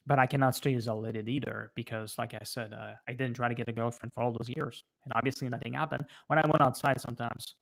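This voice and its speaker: A man with a French accent, a native French speaker, chatting casually on a livestream and answering viewers in a halting way, often pausing mid-sentence. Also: mid-range voice, gravelly, rough recording. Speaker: livestream host.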